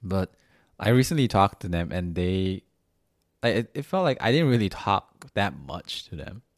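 A young man from Malaysia with a very deep voice, chatting loosely on a podcast. He rambles, restarting his sentences and leaning on fillers. The sound is dry and close. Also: sing-song, moderate pace, no room sound. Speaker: podcast host. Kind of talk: casual chat.

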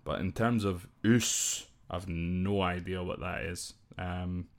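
Slow and steady with vocal fry, a low-pitched Scottish podcast host explains slang from a list. He speaks informally and hesitantly, making it up as he goes, and sometimes spells words out.

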